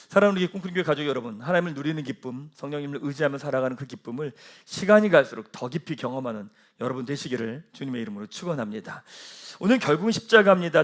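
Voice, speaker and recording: A male pastor preaching a Sunday sermon and asking his congregation rhetorical questions. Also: sits high.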